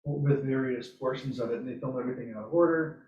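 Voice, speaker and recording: A man's voice: mid-range voice, quick pace, a little mellow, a little hiss or hum. A man giving an informal presentation at a club meetup, telling anecdotes and acting out his own reactions. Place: meeting room at a hybrid club meetup. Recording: echoey room, distant mic, muffled sound.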